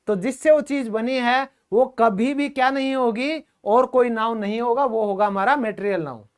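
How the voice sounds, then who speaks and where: A man's voice: very high-pitched, smooth. Guy teaching an online grammar class, chatty, keeps throwing questions at the class.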